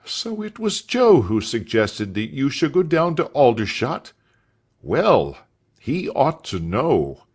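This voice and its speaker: A man reading aloud voices a kindly, eager schoolmaster keen on boxing, with an animated, exclaiming delivery. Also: medium pitch, slow pace, husky, voice pushed up, heavily acted.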